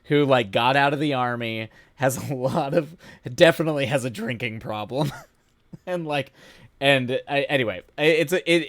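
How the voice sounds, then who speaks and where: A man hosting a casual live stream, rambling with halting restarts and laughing often, his voice starting to go hoarse. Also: mid-range voice, dry recording. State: voice going hoarse. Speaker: streamer host.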